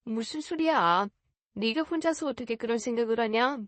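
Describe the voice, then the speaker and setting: Storybook fiancé, a gentle quiet young man, voiced by a woman, plain and earnest, a little higher than most, close and dry. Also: moderate pace, no echo, natural voice. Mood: teasing.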